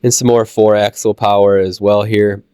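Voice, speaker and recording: Casual walkthrough narration comes from a channel host at a train show, a low-pitched man with a Midwestern American accent who is recovering from a cold. His tone remains smooth and clear, and his relaxed delivery stumbles along with frequent "uh"s. There's no echo; the sound is close and dry.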